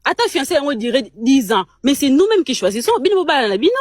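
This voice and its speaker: A woman's voice: high voice, very animated, fast talker, a little mellow, dry recording, clean studio sound. A young Congolese woman in a heated casual chat, speaking French with a Congolese accent, emphatic and indignant, stumbling over repeated words. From Democratic Republic of the Congo. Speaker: guest on a live chat.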